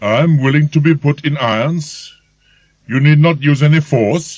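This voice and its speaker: A put-on character voice at a moderate pace. The loudness stays very even, and the intonation is fairly even. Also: man, fairly high pitch for a man. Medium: read story. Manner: calm, direct.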